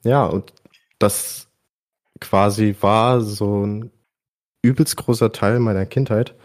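Man, low voice, informal slangy gaming podcast talk. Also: fairly even intonation, slow pace, a little mellow. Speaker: podcast guest presenting his favourite games. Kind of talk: casual podcast chat about video games.

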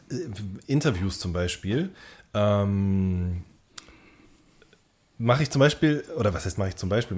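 A man's voice: on the low side, a little mellow. A man, a podcast co-host talking casually and wordily, often rephrasing himself as he goes. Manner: wordy, self-correcting, circles around his point. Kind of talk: casual conversational podcast chat.

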